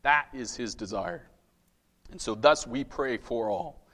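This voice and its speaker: A man's voice: mid-range voice, sing-song, measured pace, vocal fry, fairly bright tone. Man preaching in a reverberant hall. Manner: conversational, self-deprecating, with restarts and "all right?" check-ins. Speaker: lay preacher. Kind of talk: sermon.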